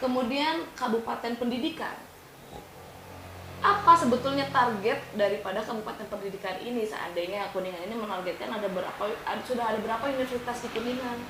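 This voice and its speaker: A woman talks at a very fast pace with ordinary pitch variation. Noticeable background noise runs under her voice. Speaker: youth activist and orator; wedding singer. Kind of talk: interview answer.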